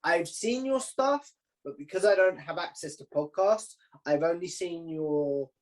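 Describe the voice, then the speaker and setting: A man's voice: a little high, a little slow, darkish tone, low-quality recording. Casual male interview host.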